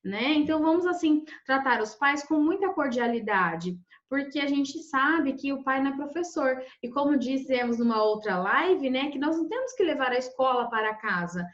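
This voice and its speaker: High-voiced woman moderating a live talk. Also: expressive, moderate pace, hardly any pauses, reverberant, highs cut off. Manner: reassuring, with frequent tag questions. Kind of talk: casual live discussion, reading viewer comments.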